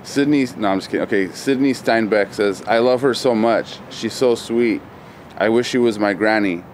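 Off-camera male host, playful and teasing, lowish voice, faint outdoor noise. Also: moderate pace. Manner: teasing, laughs often, reads comments aloud. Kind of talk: casual teasing chat. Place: backyard, outdoors.

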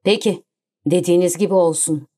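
A woman's voice: fairly low pitch, fairly even intonation, fairly quick, mellow, breathy edge. A woman reading the lines of an anxious, cornered male official in an audiobook. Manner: anxious, strained.

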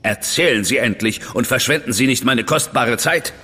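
An actor playing a stern, impatient official in a German radio drama, curt and disapproving. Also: male voice, mid-range voice, normal speed, pushed and bright, long reverb tail, slight background noise, close to an everyday voice.

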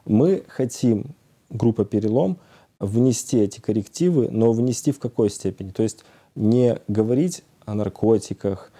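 A man in his thirties from Odesa, speaking haltingly and searching for words as a guest in a casual TV interview. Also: lowish voice, dark tone. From Odesa, Ukraine. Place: TV studio, indoors, seated.

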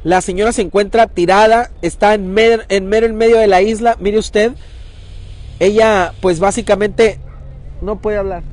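A man reporting live from a riverbank, urgent and talking fast, sometimes calling out loudly across the water. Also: high voice, fairly even intonation. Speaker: local news reporter. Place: outdoors at a riverbank.

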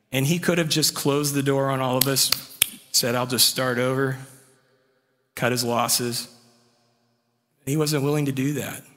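A man preaching a sermon as pastor, telling stories in a conversational way and asking rhetorical questions. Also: medium pitch. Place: church sanctuary. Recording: long reverb of a church hall.

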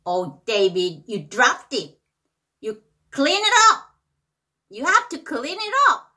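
A woman voicing a mother in a picture book, reading her lines in a slow, exaggerated way as she scolds and comforts a small boy. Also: a little high, sing-song, bright, forceful tone, full character voice. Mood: scolding.

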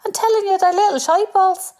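A woman's voice: extremely high pitch, brisk, dark tone. A woman voicing a blunt, crude Irish sister in a comedy radio play.

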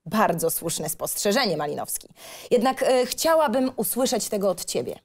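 A woman's voice: mid-range voice, very animated, moderate pace. An actress playing a strict, exasperated female schoolteacher in an audio drama script reading, with a sarcastic, scolding manner.

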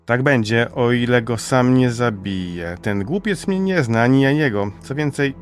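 A man playing a cynical French highwayman, silky and coolly menacing, in an audiobook drama. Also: lively intonation, moderate pace, faint music behind, natural voice. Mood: calm, mocking. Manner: mocking, smooth menace.

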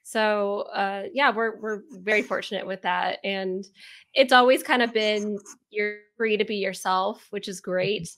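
A woman's voice: mid-range voice, steady tone, measured pace, a bit bright. A woman being interviewed about her work, chatting casually and loosely. She restarts her sentences often and keeps an easy, talkative flow. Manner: chatty, with frequent restarts and laughter. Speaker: podcast co-host and marketer.

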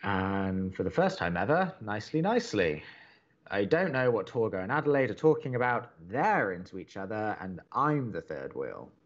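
An upbeat young college radio co-host in a romantic comedy podcast. He is chatty, wry and earnest, with a lively, moving pitch. The sound is slightly muffled. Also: normal speed, faint music behind. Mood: wry, animated. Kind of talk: romantic comedy audio drama dialogue.

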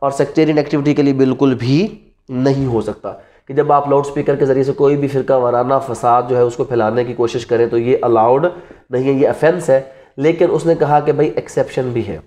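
A man's voice: medium pitch, a little fast, dark tone. A man in his thirties with a Pakistani accent teaches a class, posing rhetorical questions and repeating key terms. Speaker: law teacher. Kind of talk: classroom lecture mixing Urdu and English terms. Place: indoors in front of a classroom whiteboard.

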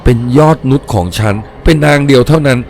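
A man's voice: mid-range voice, lively intonation, fast, darkish tone, lightly acted. A man playing a devoted, lovestruck painter in a story, pleading fervently and insistently. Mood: adoring.

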